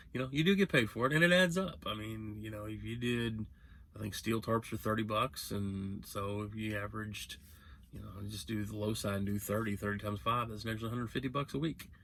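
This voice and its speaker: A man's voice: on the low side, fairly bright tone, slight background noise. A man talking casually as a truck-driving vlogger, rambling and correcting himself as he gives earnest advice. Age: young adult. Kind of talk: casual vlog monologue.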